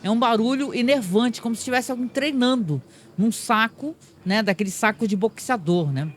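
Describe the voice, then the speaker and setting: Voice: medium pitch, normal speed, a little hiss or hum. A speaker with a Brazilian Portuguese accent casually recapping a TV episode, tagging phrases with "né?" and acting out the characters' lines. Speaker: film and TV reviewer.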